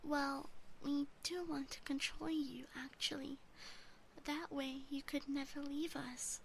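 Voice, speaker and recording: A woman voicing a teasing, obsessive yandere demon sister in an ASMR roleplay, breathy and often whispering, gently doting and possessive. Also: sits high, little pitch movement, takes it slowly, slight background noise, full character voice, rough recording.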